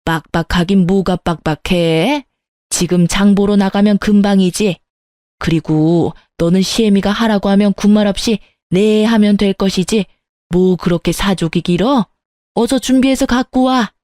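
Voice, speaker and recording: A woman's voice: mid-range voice, darkish tone, no echo, clean studio sound, close to an everyday voice. Woman doing a scolding mother-in-law. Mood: bossy. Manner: curt, scolding, drawn-out commands. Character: bossy scolding middle-aged mother-in-law.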